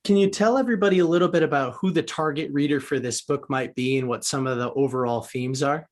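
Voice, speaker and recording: A man's voice: mid-range voice, fast. A man hosting a podcast interview in a conversational, upbeat and articulate way.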